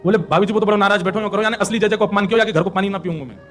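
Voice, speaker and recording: A man's voice: sits high, rapid-fire, fairly bright tone, faint music behind. A man playing a complaining village milkmaid. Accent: Braj. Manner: scolding, gossipy complaining. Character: village milkmaid, middle-aged woman, complaining.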